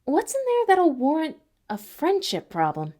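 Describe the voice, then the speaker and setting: Woman doing a frank cartoon pony girl, high voice, questioning, swoops up and down. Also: wildly swooping pitch, a little slow, mellow, exaggerated voice. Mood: puzzled.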